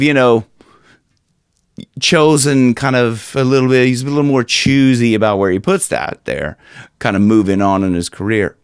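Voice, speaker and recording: A man in his forties from Ohio leads an easygoing, talkative singing lesson, with occasional demonstration lines that turn raspy in his upper range. His mid-range voice has a fairly bright tone. Wearing headphones, he speaks into a studio mic on a stand in a small room with a dark curtain behind, and the sound is clean with no room sound.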